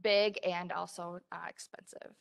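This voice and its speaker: A woman's voice: lowish voice, level tone, unhurried, vocal fry, clean tone. A woman, presenting a library report at a board meeting, upbeat with frequent fillers, speaking into a desk mic in a meeting room. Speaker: library director. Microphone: desk mic in front.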